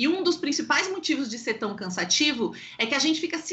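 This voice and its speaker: Her tone animated and her intonation lively, a woman talks at a moderate pace. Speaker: communicator teaching video recording. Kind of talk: online interview / tutorial. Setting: video call.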